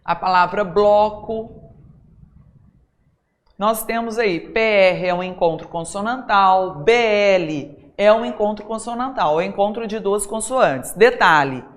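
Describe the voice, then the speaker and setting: A woman's voice: mid-range voice, slow pace. A middle-aged Brazilian woman teaching an exam-prep language lesson, chatty, talking straight to her students and checking in with them often. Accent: Brazilian Portuguese. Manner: chatty, addresses students directly with frequent tag questions.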